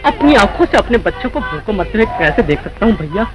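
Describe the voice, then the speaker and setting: A man's voice: sits high, very animated, quick pace, a crowd in the background. An actor playing a poor, worn-out farmer and father, speaking in a weary, resigned way, in a 1940s film. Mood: bitter.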